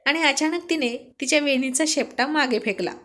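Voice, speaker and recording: A woman storyteller calmly narrating a romantic story. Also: high voice, moderate pace. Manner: calm, steady storytelling.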